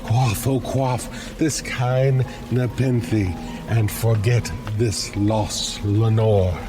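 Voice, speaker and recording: A man's voice: fairly low pitch, flat delivery, extremely slow. A man playing a grief-stricken gothic narrator who pleads and rages in a theatrical, declamatory way over music. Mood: bitter anguish.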